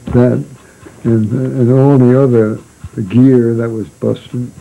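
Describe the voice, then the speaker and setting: An older man recalling his seafaring days in a casual spoken memoir. He talks in a halting, rambling way, full of restarts and fillers. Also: medium pitch, level tone, creaky, narrow, tinny audio.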